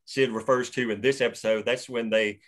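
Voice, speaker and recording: A man's voice: medium pitch, fairly even intonation, a little fast. Rambling male screenwriter on a video call. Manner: rambling, with many restarts and fillers. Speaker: screenwriter hosting a table read. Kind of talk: casual chat after a table read.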